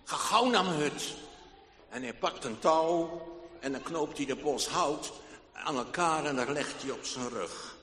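A man reading a children's story aloud in a lively, expressive storytelling manner. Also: a little high, a little slow. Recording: reverberant room with faint noise.

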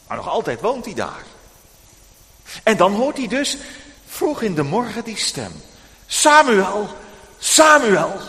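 A man preaching to children, telling a Bible story in an animated storytelling manner, addressing the boys and girls directly, in a reverberant church. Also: on the high side.

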